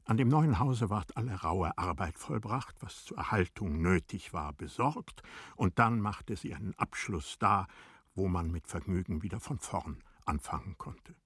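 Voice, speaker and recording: A man narrating a literary radio drama in a measured, formal storytelling manner. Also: deep voice, lively intonation, fairly bright tone, husky, no room sound, studio quality.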